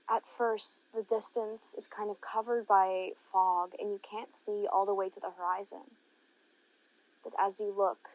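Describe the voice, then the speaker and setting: A woman at a medium pitch guides a meditation, giving gentle, unhurried instructions with long pauses between phrases. The recording is dry and rough.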